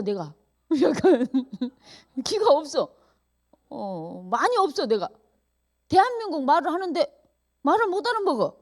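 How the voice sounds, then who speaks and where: A middle-aged woman, a pastor's wife telling stories in a church message, animated and laughing often as she acts out dialogue. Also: high-pitched. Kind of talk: storytelling sermon. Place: church service.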